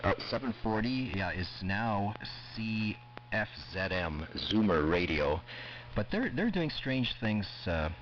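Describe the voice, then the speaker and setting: A man from Canada with a very low voice, miked close and boosted for a broadcast sound, chats casually. His signal comes through dull and muffled with faint static behind it. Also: big pitch swings, slow. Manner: technical, talks close to the mic. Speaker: ham radio operator. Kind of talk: casual radio chat.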